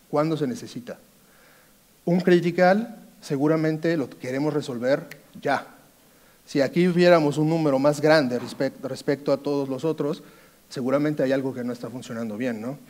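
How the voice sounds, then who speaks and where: A man with an Italian accent giving a conference talk on a dark stage, hesitant, with many fillers and restarts. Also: a little high. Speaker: conference speaker, sales engineer. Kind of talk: conference presentation.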